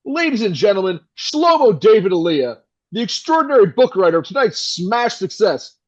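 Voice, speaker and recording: A high, swooping voice for a 1960s radio host, played by a male actor, full of showy, affable patter with a jerkish edge underneath. The sound is slightly dull and lo-fi. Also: sing-song, moderate pace. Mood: polished, eager. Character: slick, affable 1960s radio host, a crude jerk off air. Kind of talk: 1960s radio announcer acting.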